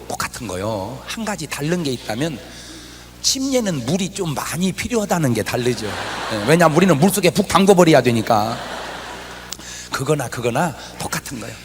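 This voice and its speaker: A man preaching a sermon as pastor, firing rhetorical questions at the congregation and swinging between loud exclamations and low asides. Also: a little hiss or hum.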